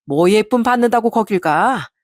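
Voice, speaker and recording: A woman doing a blunt, grumbling middle-aged mother who pushes back against her family. She speaks at a mid pitch, heard close and dry. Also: animated, normal speed, a little mellow, no echo, natural voice. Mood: reluctant. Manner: blunt, complaining.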